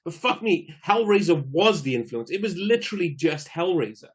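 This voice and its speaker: A man's voice: high voice, big pitch swings, a little fast, breathy edge. A British man co-hosting a film podcast, talking bluntly and reading out film trivia, with casual swearing. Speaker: podcast co-host.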